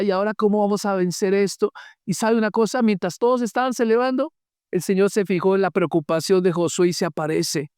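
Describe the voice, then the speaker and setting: Preacher, smooth clear voice, dry close sound, animated storytelling. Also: medium pitch, no room sound. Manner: animated storytelling, asks the congregation questions; joking asides. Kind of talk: sermon.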